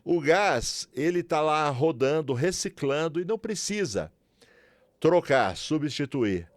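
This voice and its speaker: Taking his time, a São Paulo-accented instructor from Brazil walks viewers through refrigeration in a relaxed, promotional style, checking in with "certo?" and "beleza?" along the way. His fairly high voice has lively intonation, and the recording is dry.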